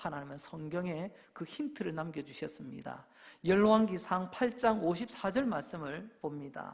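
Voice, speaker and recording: Man's high-pitched voice with a slight Gyeongsang accent, lively intonation and a fairly slow pace. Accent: slight Gyeongsang dialect slips out. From Gyeongsang Province, South Korea. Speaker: pastor. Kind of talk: sermon.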